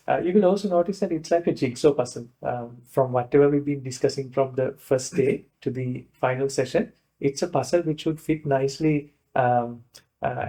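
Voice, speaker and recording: A man with a Sri Lankan accent, a Buddhist monk giving an informal lecture in a hesitant, explanatory way, often pausing to rephrase. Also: medium pitch, warm tone, low-quality recording. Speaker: Buddhist monk teaching a class.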